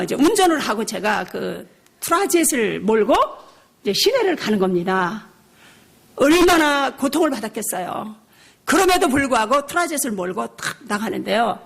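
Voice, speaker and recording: An older woman missionary preaching a revival sermon, telling a personal story with lively acted-out dialogue and frequent laughter. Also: on the high side, gravelly, slightly rough. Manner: animated storytelling, acting out her own shouting; laughs often while preaching.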